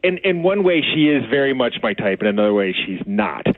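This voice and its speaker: A man's voice: mid-range voice, very animated, no room sound. Hesitant man on a phone line. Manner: hesitant, halting, awkward laughs. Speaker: caller. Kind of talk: phone conversation with radio hosts.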